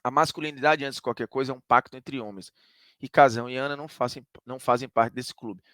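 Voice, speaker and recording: A male sports commentator with a Northeastern Brazilian accent talks through his opinions in an emphatic, conversational way. His pitch sits in the middle range for a man. The recording is dry and close, with no room sound. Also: fairly even intonation, quick pace, a bit bright, no room sound. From Ceará, Brazil. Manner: emphatic, conversational, argues point by point.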